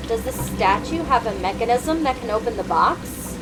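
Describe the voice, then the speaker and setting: A woman's voice: a little high, lively intonation, normal speed, background noise. A woman reading scripted narration for a game fandub, in the role of a detective in a fairy-tale mystery. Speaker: amateur voice actor narrating a game playthrough. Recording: loud game music behind voice. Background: loud game music.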